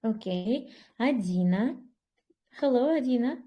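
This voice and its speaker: A woman's voice: a little high, animated, a little slow, highs cut off. Encouraging woman hosting a class. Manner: encouraging, switching between English and Kyrgyz. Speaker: speaking club host. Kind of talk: online English conversation class.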